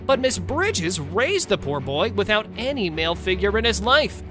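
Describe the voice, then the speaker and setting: Male recap narrator, dramatic scripted delivery, very lively intonation, music bed. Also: high voice, normal speed.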